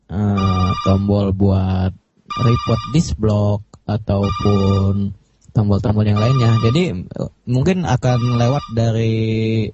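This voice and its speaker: Lively low-voiced man, noisy radio. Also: slow pace, music in the background. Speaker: radio co-host. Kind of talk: casual explanatory chat. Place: internet radio broadcast. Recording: dull, lo-fi streaming radio with loud noise.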